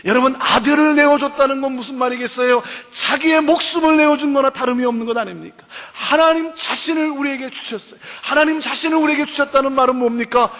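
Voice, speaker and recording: A woman's voice: high voice, fast talker, few pauses, fairly bright tone. A woman giving a preaching lecture at a Christian seminar, emphatic, repeating key phrases and asking rhetorical questions. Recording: long reverb from a hall.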